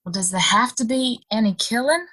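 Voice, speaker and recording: An actress playing a wistful young saloon woman in a Western audio drama, curious and hesitant, with expressive pauses. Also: on the high side. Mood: hesitant, concerned.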